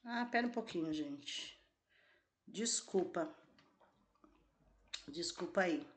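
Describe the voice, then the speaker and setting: Slowly and with lively intonation, a woman teacher with a lowish voice takes students through an exam question step by step. It's an exam-prep lesson, and she keeps asking the class questions as she explains.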